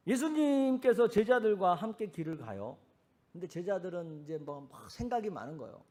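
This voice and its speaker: A male pastor preaching a sermon in a conversational, animated way, asking the congregation rhetorical questions. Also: sits high, moderate pace. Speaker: senior pastor.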